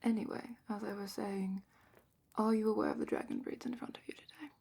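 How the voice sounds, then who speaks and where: A woman playing a calm, patient dragon keeper guiding a student, in a gently wry, soft whisper for a fantasy ASMR roleplay, close to the microphone. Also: medium pitch, brisk. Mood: calm, instructive. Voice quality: breathy whisper and soft-spoken murmur.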